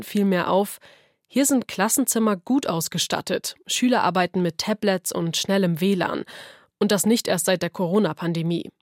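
A woman reporter from western Germany reading a scripted radio feature in an even way. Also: medium pitch, no room sound, clean studio sound. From North Rhine-Westphalia, Germany. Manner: even, read-aloud delivery.

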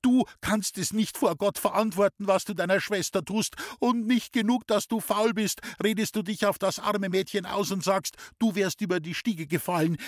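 A man's voice: mid-range voice, husky, no echo, clean studio sound. A man voicing a stern, easily upset mother who scolds her son in a storybook reading. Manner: scolding, raised and agitated.

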